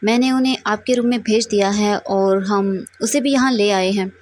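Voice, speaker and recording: A woman's voice: medium pitch, moderate pace, darkish tone, slight background noise, natural voice. A woman voicing a loyal male assistant who speaks politely and deferentially.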